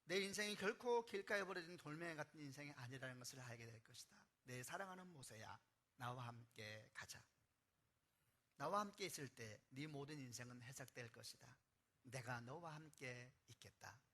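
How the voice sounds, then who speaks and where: God speaking gently to a broken man, as a male pastor puts him on, bright in tone, slightly high-pitched, unhurried and pleading. The words come slowly and softly, full of comfort. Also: big pitch swings, exaggerated voice. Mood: tender.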